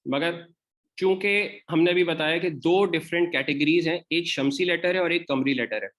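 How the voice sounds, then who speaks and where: A man's voice: fairly high pitch, moderate pace, fairly bright tone. A man with a Pakistani Urdu accent teaching an Arabic grammar class, explaining step by step and repeating example words. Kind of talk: online class lecture.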